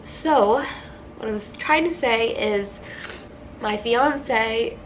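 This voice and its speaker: A woman's voice: on the high side, extremely slow, slight background noise, low-quality recording. Stuffy-nosed young woman vlogging. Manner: rambling, heavy use of "like", heartfelt. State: stuffy nose from a cold. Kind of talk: casual confessional vlog.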